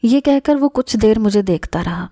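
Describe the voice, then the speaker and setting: A woman's voice: fairly high pitch, expressive, warm tone, dry recording, clean studio sound. A woman telling a first-person emotional story in a regretful, tearful storytelling manner. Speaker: story narrator.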